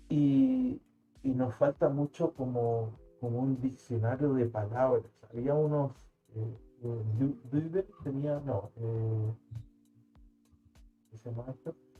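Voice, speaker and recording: A man with a Chilean accent speaks very slowly at a medium pitch, with ordinary pitch variation. Long, frequent pauses break up his speech while music plays in the background. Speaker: engineering instructor. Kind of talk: casual interview chat.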